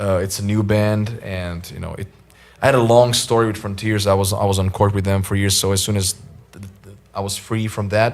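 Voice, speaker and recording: Someone speaks with a Croatian accent in a monotone, flat intonation at a fairly quick pace. The loudness swings widely, with music in the background. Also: man, fairly low pitch for a man. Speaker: singer. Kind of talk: casual chat.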